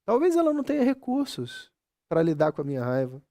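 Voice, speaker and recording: A man's voice: fairly high pitch, huge pitch swings, a little fast, gravelly, dark tone. A man giving a conversational spiritual talk to an audience, often asking if they understand. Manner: conversational, keeps asking "sabe?" and "você entende?"; acts out quoted dialogue with his mother. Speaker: spiritual speaker.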